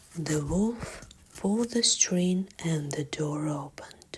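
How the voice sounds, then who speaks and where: Someone whispers, soft-spoken and in a gentle tone, over noticeable background noise. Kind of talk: ASMR fairy tale bedtime reading. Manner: soft-spoken, whispered, gentle.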